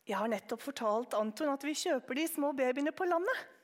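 A woman voicing a gentle mother who dodges her son's questions. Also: high voice, animated, voice pushed up.

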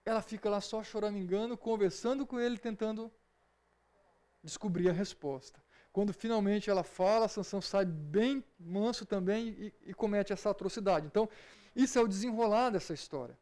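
A man with a Brazilian Portuguese accent explains scripture in a relaxed Bible study. His voice sits high for a man. He talks conversationally and keeps checking in with his audience. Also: normal speed. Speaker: Bible teacher. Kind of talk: informal Bible study lesson.

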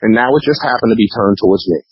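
Husky, animated New man on the phone. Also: lowish voice, fast talker. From New York, US. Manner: blunt, repeats himself, imitates others' remarks. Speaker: interview guest, underground rapper. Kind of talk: casual, profane phone interview rant. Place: phone call. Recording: dull lo-fi phone line.

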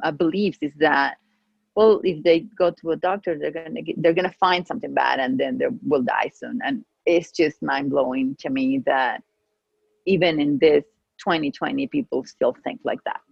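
Spanish-native middle-aged woman guest; low, husky voice on lo-fi call audio, animated and restarting often. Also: moderate pace, no echo. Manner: animated storytelling with frequent restarts. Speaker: clinical pharmacist guest. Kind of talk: casual conversational interview. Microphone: remote call microphone.

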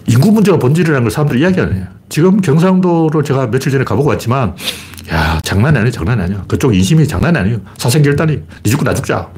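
A man's voice: mid-range voice, very animated, very fast, a little mellow. A middle-aged man hosting a solo political commentary livestream, talking bluntly and colloquially and answering his own rhetorical questions. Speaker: livestream host.

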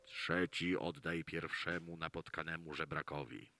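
A man's voice: extremely low pitch, level tone, measured pace, voice pushed down, heavily acted. A man voicing a huge fairy-tale giant in a terse, commanding, solemn manner. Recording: live concert with loud music.

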